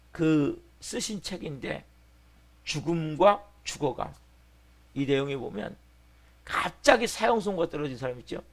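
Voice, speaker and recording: A male pastor giving an early-morning sermon, acting out people's voices with rising passion. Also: on the high side. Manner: animated preaching, acting out patients' voices.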